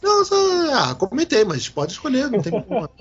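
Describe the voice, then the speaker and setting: A man hosting a casual podcast chat, animated, swearing casually and restarting his words. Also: high-pitched, a little fast, lo-fi sound, soft background music. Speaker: podcast host.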